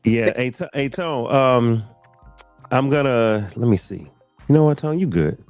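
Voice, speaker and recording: A man's voice: medium pitch, animated, unhurried, a little mellow, dry recording, faint music behind. A man hosting a casual podcast chat in an AAVE-flavored voice, laid-back, laughing often and repeating himself. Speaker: podcast host.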